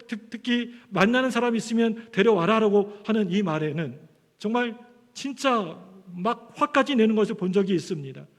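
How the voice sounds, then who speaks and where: A man preaching a sermon as pastor, telling stories animatedly and acting out the voices of parents and children. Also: high-pitched. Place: church sanctuary. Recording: long church hall reverb.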